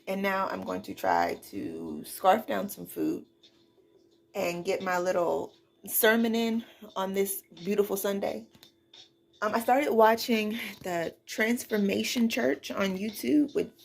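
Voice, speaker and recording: A woman vlogger chatting casually, sounding exhausted and weary, with a creaky, gravelly voice. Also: medium pitch, expressive, slow pace, soft background music. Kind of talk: casual vlog chat.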